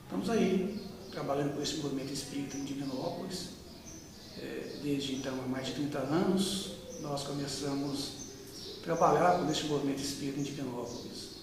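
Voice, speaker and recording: A Brazilian man in his fifties reminisces slowly in an oral-history interview, speaking in a fairly high voice with frequent pauses and fillers. He sits far from the mic in a very echoey room with a long reverb tail, over a faint hiss.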